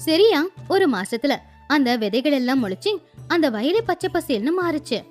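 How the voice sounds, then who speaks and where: Woman telling a kids story, high voice, bouncy, soft music behind. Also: very animated, normal speed. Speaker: narrator. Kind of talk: storytelling narration.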